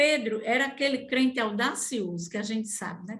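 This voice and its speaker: In a Rio Grande do Norte accent, a woman speaks in an animated tone at a fairly slow pace with ordinary pitch variation. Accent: northeastern Brazilian (Rio Grande do Norte). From Brazil, Rio Grande do Norte interior. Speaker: Bible teacher. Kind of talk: Bible study teaching podcast. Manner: conversational, animated.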